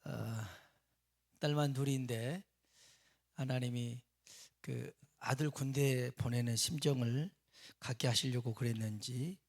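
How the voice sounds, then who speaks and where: A middle-aged man preaching a sermon as pastor, telling stories in a lively way and acting out the people in them. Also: medium pitch, a little slow, long pauses. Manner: lively storytelling, acting out characters. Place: church sanctuary.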